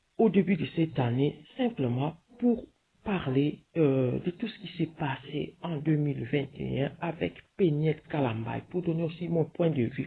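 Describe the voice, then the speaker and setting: The speaker has a Congolese accent and talks at a fairly slow pace. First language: Lingala (speaking French). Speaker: YouTuber commenting on social media news. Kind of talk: casual vlog commentary. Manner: hesitant, many fillers.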